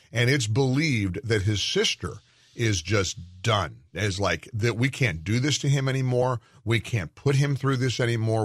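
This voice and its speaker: A man talks at a moderate pace and a medium pitch. His voice is somewhat breathy, with ordinary pitch variation. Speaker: political commentator. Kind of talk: talk radio conversation.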